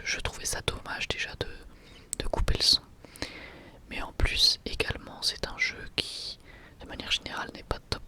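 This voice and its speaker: A man speaking in a soft, breathy ASMR whisper, gently addressing viewers as a video creator.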